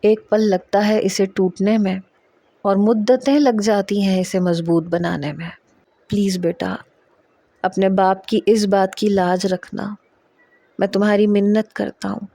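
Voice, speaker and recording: An urgent, pleading father-in-law in a spoken romance story, put on by a woman narrator. His lines come raised and slowed with worry, in a dry, close sound. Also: medium pitch, steady tone, creaky, dark tone, no room sound. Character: stern middle-aged father-in-law, anxious and pleading.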